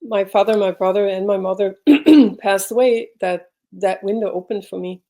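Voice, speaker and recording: A middle-aged Swiss woman appears as a podcast guest, sharing her personal story in an interview with a warm, mellow voice of ordinary pitch. She speaks reflectively and haltingly, pausing and circling back as she searches for words.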